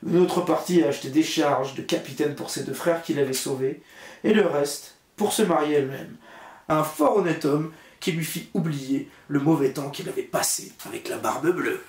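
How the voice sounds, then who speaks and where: A man reading a fairy tale aloud as a bedtime story, steady and unhurried. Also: fairly high pitch. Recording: roomy echo.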